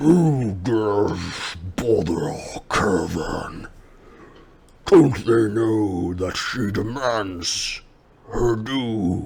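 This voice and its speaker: Growling in a put-on character voice of medium pitch, a man speaks at a very slow pace. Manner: menacing, gruff.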